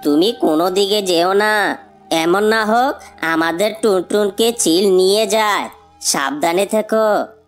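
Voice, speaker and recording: A woman voicing a gentle, reasonable father bird in a children's cartoon, patient and mildly reproachful. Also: medium pitch, slow, soft background music, lightly acted. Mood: gentle caution.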